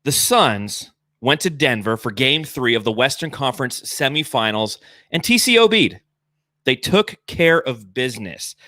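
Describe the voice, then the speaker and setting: A man hosting a sports podcast, hyping up his team with playful banter and drawn-out emphasis. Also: medium pitch, very animated, sharp tone, dry recording. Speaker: podcast host.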